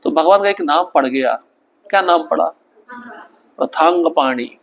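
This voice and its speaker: This man has a somewhat high voice and teaches a devotional scripture class. He poses rhetorical questions and answers them at once. Now and then he slows down to chant Sanskrit verses. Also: gravelly, highs cut off.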